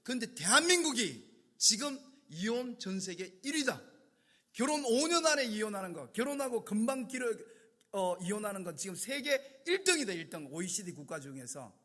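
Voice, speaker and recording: A man's voice: high voice, moderate pace. A male pastor giving a sermon, telling stories animatedly and acting out conversations. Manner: animated storytelling, acting out dialogues. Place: church sanctuary. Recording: long church hall reverb.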